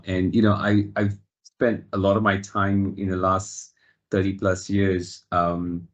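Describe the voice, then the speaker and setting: Low, flat-voiced man from Singapore. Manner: measured, reflective, with frequent fillers. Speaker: guest. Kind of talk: interview answers.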